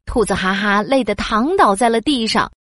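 Expressive woman storyteller. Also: medium pitch, moderate pace, dry recording, studio quality. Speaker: narrator. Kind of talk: scripted children's story narration.

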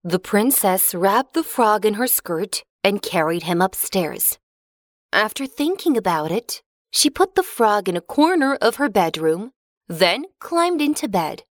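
A woman's voice: mid-range voice, very animated, unhurried, dry recording, studio quality. Woman reading a children's fairy tale. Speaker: narrator. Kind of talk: storybook narration for children.

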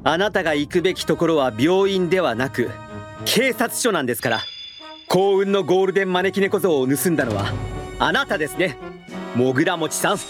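Male actor: composed detective inspector, animated intonation. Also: fairly high pitch, brisk, soft background music, lightly acted. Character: calm, clever police inspector detective.

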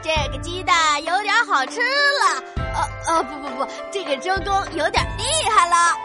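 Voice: very high-pitched, lively intonation, moderate pace, loud music behind the voice. An actor playing a cheeky, gluttonous childlike character in a children's audio drama, with a playful, exclamatory and naively boastful manner. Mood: silly. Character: cheeky, gluttonous, childlike listener named Naonao.

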